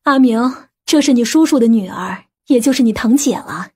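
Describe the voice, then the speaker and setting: An authoritative, practical aunt from an audiobook drama acted by a woman gives brisk instructions. The voice has a slightly husky edge. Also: fairly high pitch, expressive, a little mellow.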